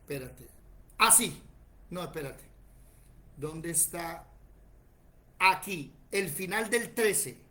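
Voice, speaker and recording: A man, preaching a sermon in a church and telling lively stories in which he acts out other people's voices. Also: a little high, slow, long pauses. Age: 40s. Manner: animated, tells stories acting out other voices.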